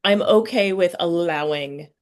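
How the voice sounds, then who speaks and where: A woman's voice: on the low side, a little slow. A woman hosting a casual chat, talking informally in a rambling way and often interrupting herself. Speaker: podcast host, interviewer.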